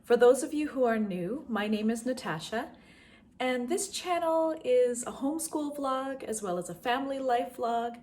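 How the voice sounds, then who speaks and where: A middle-aged woman with a voice on the high side and a darkish tone hosts her homeschool vlog, speaking expressively at a moderate pace. She talks about books casually and directly to the people watching her channel.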